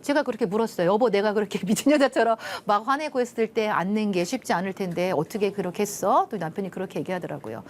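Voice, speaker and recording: A middle-aged woman lecturing on a Christian TV show. She tells a personal story in an animated way, acts out the lines she quotes, and drops to soft, hushed tones at tender moments. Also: medium pitch, fast talker, hardly any pauses. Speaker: lecturer, love institute director. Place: TV studio.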